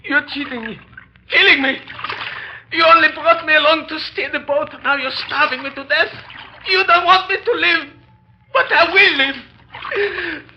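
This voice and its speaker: An actor playing a starving, delirious convict who begs for water and swears revenge, in a 1930s radio drama. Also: male voice, very high-pitched, unhurried, pushed and bright, a little hiss or hum, heavily acted. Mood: desperate. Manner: croaking, desperate, pleading then threatening. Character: delirious starving male convict navigator, vengeful. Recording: dull old radio recording.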